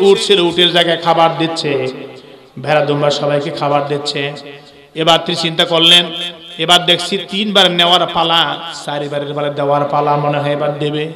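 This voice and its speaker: A man preaches in a high, piercingly bright voice that carries a long hall echo. He tells the story with lively acted-out dialogue and keeps calling on the crowd to cheer. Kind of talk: sermon storytelling at a religious gathering.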